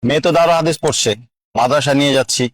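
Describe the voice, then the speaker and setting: A male actor plays a concerned father in an advertisement. He speaks quickly and earnestly, like someone chatting with a friend, in a dry recording. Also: on the high side, no room sound, lightly acted. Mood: worried, weary. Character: concerned, protective father escorting his daughter. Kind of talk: acted advertisement dialogue.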